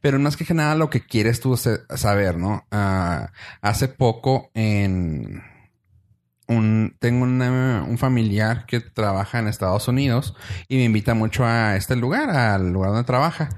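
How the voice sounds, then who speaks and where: A man with a Mexican Spanish accent chatting casually as a podcast co-host, slangy and animated, jumping into high-pitched imitations. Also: unhurried. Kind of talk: casual chat.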